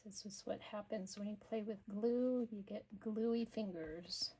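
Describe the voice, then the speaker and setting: A woman hosting a craft video, talking quietly and murmuring to herself as she works, a little sniffly. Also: medium pitch, measured pace, slightly rough. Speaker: craft channel host. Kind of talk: casual craft-along chat.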